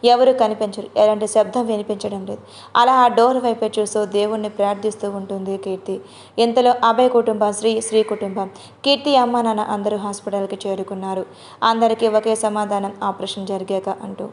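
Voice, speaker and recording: A woman's voice: mid-range voice, steady tone, a little fast. A woman narrating a dramatic audio story with urgent telling.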